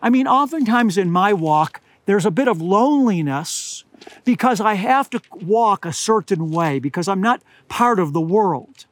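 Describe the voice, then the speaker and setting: A high-voiced older man preaches outdoors, his voice a little hoarse and scratchy. He speaks earnestly and deliberately, slowing to press home important words, and the sound is dry and close with little reverb. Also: lively intonation. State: slightly hoarse. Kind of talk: outdoor sermon. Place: outdoors among pine trees at high altitude.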